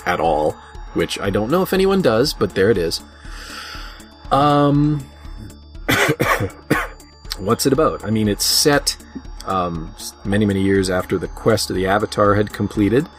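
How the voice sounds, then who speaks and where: A man with a low voice hosts a casual podcast discussion. He rambles a little as he thinks aloud, with faint music behind him. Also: a little slow. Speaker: podcast host.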